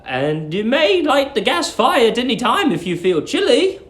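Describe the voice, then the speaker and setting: Man putting on a high, cooing, eccentric landlady. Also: sing-song, a bit bright, echoey room, heavily acted. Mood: gushing, solicitous. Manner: drawn-out, gushing, cooing delivery. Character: sweet, fussy, eccentric middle-aged English landlady, eerily kind.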